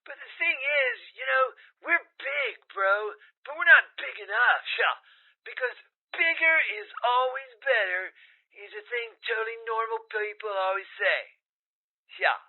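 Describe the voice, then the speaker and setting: A man's voice: very high voice, unhurried, full character voice. An actor playing a defensive, weird gang bro who insists he is normal, on a tinny radio advert in an audio drama. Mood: defensive, insistent. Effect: tinny radio filter. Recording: tinny narrow-band phone-like radio sound.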